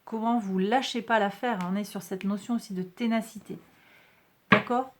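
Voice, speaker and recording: A woman's voice: mid-range voice, fairly even intonation, normal speed, very noisy. A woman reading tarot cards and astrology for her viewers in a casual, reassuring way, often tagging her sentences with little checks to her audience. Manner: chatty, reassuring, peppered with "hein" and "d'accord"; addresses viewers directly as a group. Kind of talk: casual card-reading monthly forecast.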